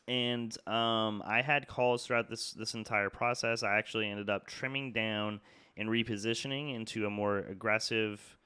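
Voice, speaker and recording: A man's voice: fairly low pitch, fairly even intonation, normal speed, pushed and bright, smooth, no echo. A young man with a stuffy, congested nose from a cold, casually talking through stock charts with lots of fillers and restarts. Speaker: market analysis YouTuber. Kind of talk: casual trading chart talk.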